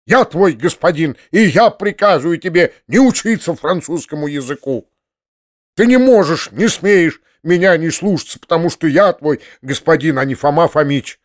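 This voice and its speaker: A man voicing an excitable middle-aged landowner uncle, a former cavalry officer, who swings from heartfelt pleading to shouted orders. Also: medium pitch, normal speed, dry recording, studio quality, lightly acted. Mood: furious. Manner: emotional, bursts into furious shouted orders.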